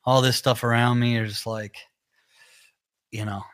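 Co-hosting a live chat stream, a musician talks in an easygoing, rambling manner, filling gaps with plenty of fillers. His voice is nasal and slightly bright at medium pitch, unhurried, with little pitch movement.

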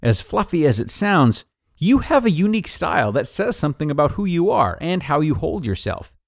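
A man reading a scripted personal advice article aloud in an upbeat, tidy manner with clear phrasing. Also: fairly high pitch, very animated, moderate pace, no echo, clean studio sound.

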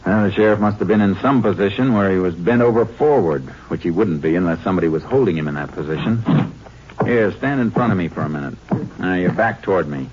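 An actor playing a steady, shrewd Texas Ranger investigator in a matter-of-fact, authoritative 1950s radio western style. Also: male voice, low-pitched, fast. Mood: analytical. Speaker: lead actor and narrator. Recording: noisy, clicking, muffled 1950s radio recording.

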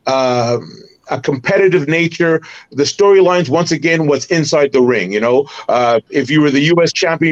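A middle-aged man from Barbados, a former wrestler and promoter, recalling his career in an animated, detailed way as a podcast guest. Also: a little high, dull audio. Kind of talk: casual interview storytelling.

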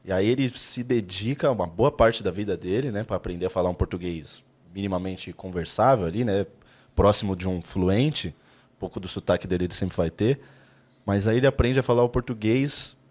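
A man's voice: sits low, moderate pace, darkish tone. A man in a casual podcast chat, rambling and joking while hedging his points. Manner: rambling, joking, hedges a lot.

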